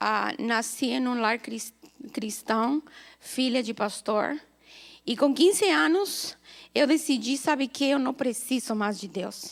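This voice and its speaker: A high-pitched woman with a Spanish accent speaks very slowly with lively intonation in a very clean recording over a silent background. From Guatemala. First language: Spanish (speaking Portuguese). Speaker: guest preacher. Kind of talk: sermon.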